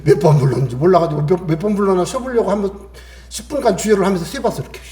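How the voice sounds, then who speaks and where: Male pastor, high-pitched, emphatic repetitive sermon delivery, reverberant sanctuary sound. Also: racing, dark tone. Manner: emphatic, repetitive preaching with rhetorical questions.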